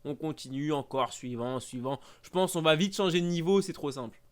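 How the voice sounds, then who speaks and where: Young male gaming creator, sarcastic running commentary, slightly higher voice, casual. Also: brisk. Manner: mock-exasperated, sarcastic, talks to himself. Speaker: gaming YouTuber. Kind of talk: casual let's-play commentary.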